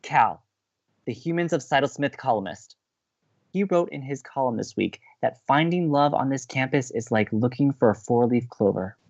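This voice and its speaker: Man acting as young male college radio host, animated swooping delivery, indignant true believer, audio drama, slightly dull recording. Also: medium pitch, normal speed. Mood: earnest, dramatic. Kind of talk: scripted audio drama dialogue, romantic comedy.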